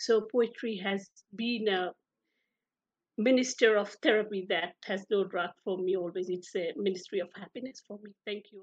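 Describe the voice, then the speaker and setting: With a Bengali accent, this voice keeps a moderate pace and fairly even intonation, showing big swings in loudness over a quiet background. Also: woman. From Bangladesh. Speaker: poet. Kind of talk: reading group discussion. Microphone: video call.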